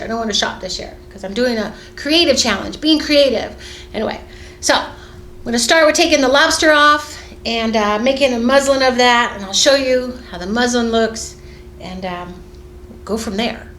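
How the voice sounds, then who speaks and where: A woman's voice: a little high, normal speed, fairly bright tone, slight background noise. Chatty middle-aged woman in an echoey sewing room. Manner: chatty, rambling, many fillers and restarts. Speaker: fashion designer and sewing vlogger. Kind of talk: casual chat while sewing. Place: sewing studio indoors. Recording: echoey room with faint ambience.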